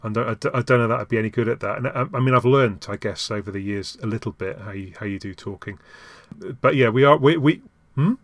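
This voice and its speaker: A man's voice: medium pitch, quick pace, a bit bright, no echo. A man hosting a podcast in casual chat, stumbling over and repeating words, with a dry, self-mocking humour. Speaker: podcast host.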